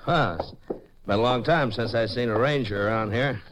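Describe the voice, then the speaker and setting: A man's voice: mid-range voice, moderate pace, natural voice. A man playing an evasive middle-aged American rancher who stammers uneasily in a 1950s western radio drama. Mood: nervous, evasive. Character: evasive middle-aged rancher with a boyish soft face, hiding guilt. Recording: noisy old radio recording with clicks.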